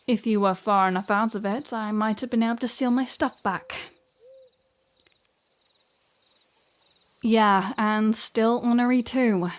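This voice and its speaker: A woman with a slightly high, natural voice plays a flirty, self-serving vampire in a scripted audio roleplay. She addresses the listener in a teasing, wry, conversational manner.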